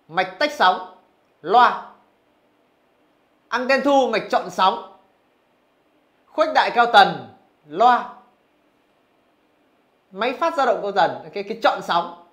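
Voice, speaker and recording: A man with a high voice teaches physics, working through exam questions one by one. He keeps checking with his students as he explains each answer. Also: pushed and bright. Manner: talks through answers, asks rhetorical questions. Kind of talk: exam review lesson.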